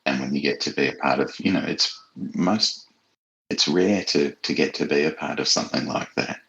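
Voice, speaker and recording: Very deep-voiced man as interview guest. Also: normal speed, creaky, a bit bright, poor audio. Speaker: writer, podcast guest. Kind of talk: casual interview chat.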